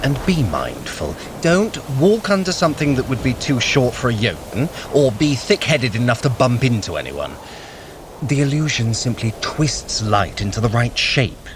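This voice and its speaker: An actor playing a sly, haughty trickster god in an audio drama, sardonic, clipped and impatient. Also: male voice, medium pitch, very animated, normal speed, background noise, lightly acted. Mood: instructing, superior.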